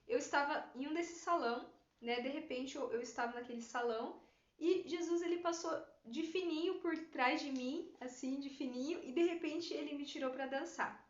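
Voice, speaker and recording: Woman, fairly high voice, heartfelt testimony vlog, echoey room, dull sound. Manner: earnest, heartfelt, many fillers like "né". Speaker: writer sharing prophetic dreams. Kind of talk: personal testimony, casual storytelling. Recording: roomy, slightly dull lo-fi sound.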